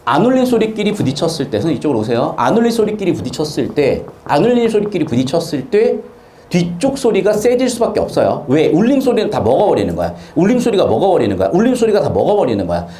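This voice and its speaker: A male grammar teacher lectures with a high, lively voice that swings widely in pitch. He drills key points by repeating them and keeps checking whether his students understand. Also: fast talker, a little hiss or hum. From South Korea, Changwon.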